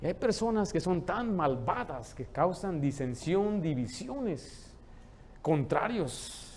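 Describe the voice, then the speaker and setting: Animated pastor preaching. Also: male voice, high-pitched, slow, a little hiss or hum. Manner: lively storytelling, joking with the congregation. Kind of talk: sermon. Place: church.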